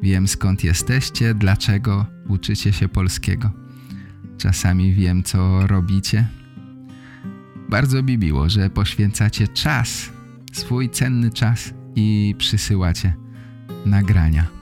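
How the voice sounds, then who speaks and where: A man hosting a language-learning podcast, speaking in simple, measured, appreciative sentences. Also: on the low side, a little mellow, soft background music. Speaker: podcast host for learners of Polish. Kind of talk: slow, simple scripted talk for language learners.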